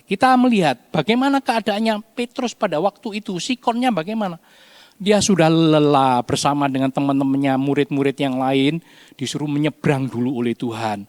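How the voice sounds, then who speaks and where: A man teaching a children's Bible lesson, telling the story with animated storytelling and acting out the cries. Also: mid-range voice, moderate pace, no room sound. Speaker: Sunday school teacher.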